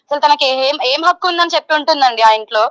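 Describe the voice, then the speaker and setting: A young woman speaks in a high voice at a quick pace. She is loud and insistent, repeating her points as she argues her side in a heated phone interview. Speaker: caller giving her side of a dispute. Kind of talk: heated phone interview, Telugu mixed with English.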